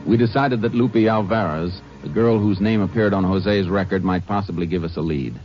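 A man playing a low-voiced Texas Ranger. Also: normal speed, close to an everyday voice. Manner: calm, matter-of-fact. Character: steady Texas Ranger lawman. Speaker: narrator and lead. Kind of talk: 1950s radio drama narration. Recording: dull old radio broadcast with music.

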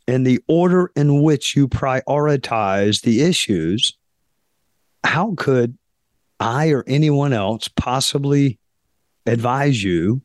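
Hoarse guy doing his podcast, slow and thoughtful, lots of uhs, medium pitch, dry sound. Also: no room sound. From South Carolina, US. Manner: deliberate, pausing often with fillers. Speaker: podcast host. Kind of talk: reflective podcast monologue.

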